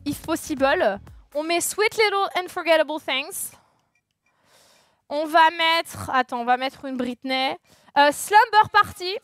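A woman with a very high voice chats casually with her live-stream viewers. She thinks out loud, filling pauses with small hesitations as she sets up the next song. Faint game music plays underneath. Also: lively intonation, dry recording. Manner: chatty, thinking aloud with fillers.

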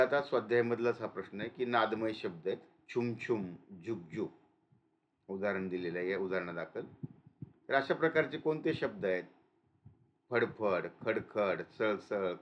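A male teacher explaining a school lesson, often pausing to check in with listeners. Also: lowish voice, dull audio. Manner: explains and repeats with frequent "है ना" checks.

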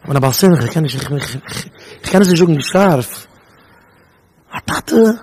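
A man speaking in Yiddish with a Hasidic accent, giving a lively talk and acting out the voices of children and parents. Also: on the high side, moderate pace, noisy background. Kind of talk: Yiddish lecture to students.

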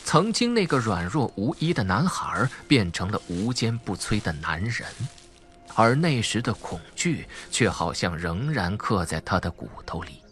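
A man with a Mainland Chinese Mandarin accent narrates a suspense audiobook, a scripted crime thriller, in a theatrical, dramatic style. His voice is lowish with a slightly bright quality.

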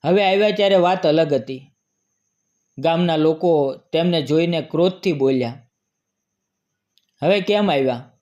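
A man narrating a scripted emotional story in an even, measured storytelling manner. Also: on the high side, highs cut off.

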